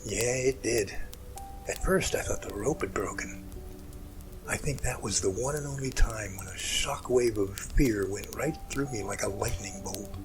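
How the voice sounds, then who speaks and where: A man's voice: fairly low pitch, natural voice, low-quality recording. Earnest, emotional male rescuer over music, acted by a man. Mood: earnest, awed. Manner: earnest, halting, dramatic storytelling. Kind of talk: amateur audio drama acting. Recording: music bed under the voice.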